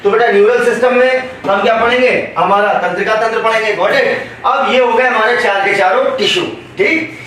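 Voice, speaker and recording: A man teaching a biology class in a classroom. His voice sits high and he draws answers out of the students with constant questions. The sound comes from far off in a strongly echoing room with a faint hum of ambience. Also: a little fast, a bit bright. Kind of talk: classroom lecture.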